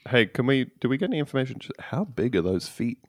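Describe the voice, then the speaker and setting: A man's voice: mid-range voice, sing-song, fast talker, no room sound, studio quality. A man co-hosting a comedy podcast, sarcastic and given to mock-theatrical announcements. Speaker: podcast co-host. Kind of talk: casual comedy chat.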